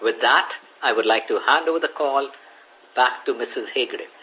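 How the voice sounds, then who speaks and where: Indian guy exec reading out prepared results, mid pitch, dull muffled call audio. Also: normal speed. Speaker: company executive. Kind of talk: prepared earnings presentation read aloud. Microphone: conference call line.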